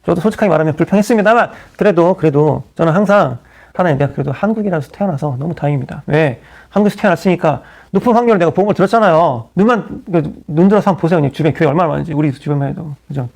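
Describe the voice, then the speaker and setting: A middle-aged pastor from South Korea preaching in an animated, conversational way, full of asides and acted-out quotes. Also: male voice, on the high side, very fast, creaky. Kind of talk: sermon.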